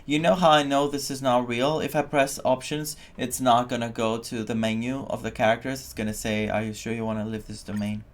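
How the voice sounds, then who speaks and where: A man's voice: mid-range voice, flat delivery, brisk, hardly any pauses. A man streaming a video game, reacting casually with incredulous, repetitive muttering.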